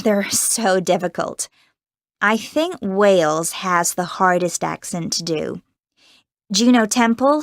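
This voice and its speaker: A woman playing a cheerful American teenage girl actress in a scripted interview, chatty and quick to laugh, with an American accent. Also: medium pitch, no echo, clean studio sound. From United States. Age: teens. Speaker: young film actress being interviewed. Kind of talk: scripted exam-recording interview.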